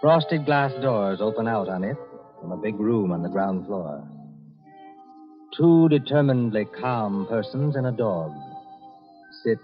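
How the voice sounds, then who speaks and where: A somber narrator tells an eerie radio suspense tale in a fairly low voice. Music plays clearly behind him, and the old recording is dull. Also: male voice, animated, measured pace, pauses often.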